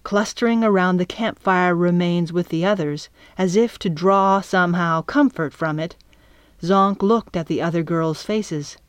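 A woman narrating a children's chapter book in a calm, measured reading. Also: lowish voice, clean tone, dry recording. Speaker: audiobook narrator. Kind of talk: scripted narration.

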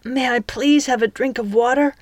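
A woman's voice: on the low side, steady tone, measured pace, darkish tone, dry recording. A woman voicing a plucky but frightened young orphan girl in an audiobook, earnest and meek.

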